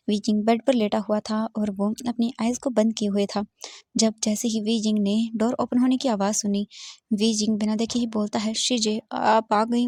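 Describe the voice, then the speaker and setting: A woman's voice: mid-range voice, mellow, dry recording, studio quality. A woman casually retelling a fan fiction story in plain, explanatory storytelling.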